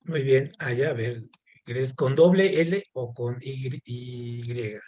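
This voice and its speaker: A man's voice: mid-range voice, slow pace, a little mellow. A man teaching a class, asking students questions and explaining patiently with many fillers. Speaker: Spanish teacher. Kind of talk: online class lesson.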